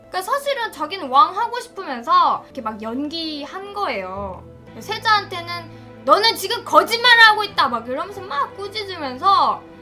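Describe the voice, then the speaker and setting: Woman storyteller, high bright voice, chatty and expressive, soft music underneath. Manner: chatty, expressive, acts out quoted lines. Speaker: history storyteller. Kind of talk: casual storytelling narration.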